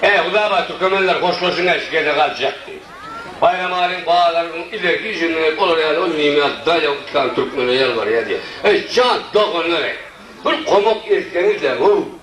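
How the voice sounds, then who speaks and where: A man from Turkmenistan performs satirical stand-up, his voice a little high and leaping into shouted chants. The mic sits far from him in a roomy, echoing hall. Loud crowd laughter and steady noise run under his voice. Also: brisk. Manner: lively, bursts into sudden high shouted chants. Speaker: satirical comedian. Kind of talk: live stand-up storytelling. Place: stage before a laughing audience. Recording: roomy live recording from a distance, crowd and noise.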